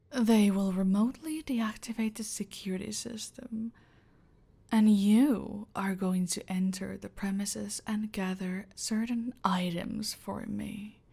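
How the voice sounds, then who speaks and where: A domineering female cartel boss, played by a woman, hands out orders in a slow, unhurried drawl that often drops to a whisper. Her voice carries a gravelly edge, and every word is measured and controlling. It sits in an ASMR roleplay. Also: mid-range voice, warm tone. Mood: silky, menacing.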